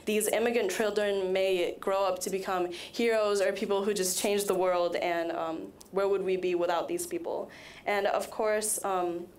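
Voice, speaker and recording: A teenage girl reads a prepared speech at a public event with an earnest tone, and fillers creep in. Her pitch sits in the middle range. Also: fairly even intonation, moderate pace, a little mellow. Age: teens. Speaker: student speaker.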